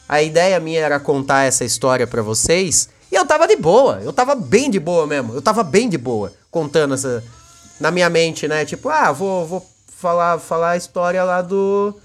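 A young Brazilian man hosting a casual solo podcast, talking in a heated, slangy way and repeating himself as he gets worked up. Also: on the high side. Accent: Brazilian Portuguese. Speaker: podcast host.

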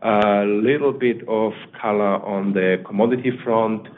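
Male finance executive, lowish voice, tinny conference-call line, explanatory with frequent tag questions. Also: steady tone, measured pace. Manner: checks in with "right?". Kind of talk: earnings call answers.

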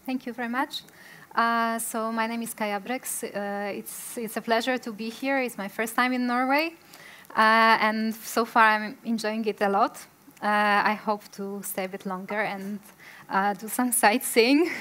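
A woman's voice: on the high side, fairly even intonation, measured pace, fairly bright tone. A woman from Poland with a Polish accent, speaking informally as a guest on a panel. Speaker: panel guest, association president. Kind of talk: informal self-introduction at a panel.

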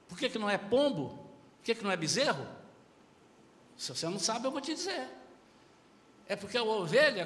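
A man preaching a sermon as pastor, emphatic and animated. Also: very high voice. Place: church. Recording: echoey church hall.

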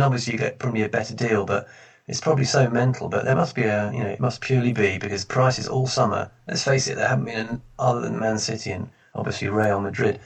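A man, a fan blogger, chatting casually about football in a relaxed, rambling way, with a loud echo on his voice as if he were in a big hall. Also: mid-range voice, vocal fry, slightly rough. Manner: relaxed, rambling, many restarts. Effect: echoey sound like a big hall. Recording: echoey room, far from the mic.

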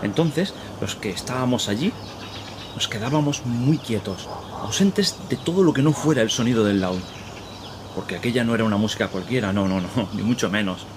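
A man playing a kindly, talkative park worker who speaks courteously and pauses to search for words. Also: lowish voice, expressive, noisy background, natural voice. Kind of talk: radio drama acting. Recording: outdoor park ambience with birds. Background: birds and outdoor ambience.

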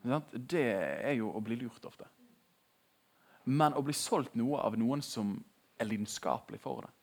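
A young man giving a casual, animated sermon in a conversational tone. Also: medium pitch. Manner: conversational, animated, laughing at his own jokes. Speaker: preacher.

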